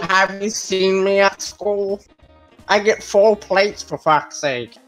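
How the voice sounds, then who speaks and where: Over faint background music, a female-sounding voice speaks fairly slowly at a medium pitch in a put-on character voice. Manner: blunt, incredulous.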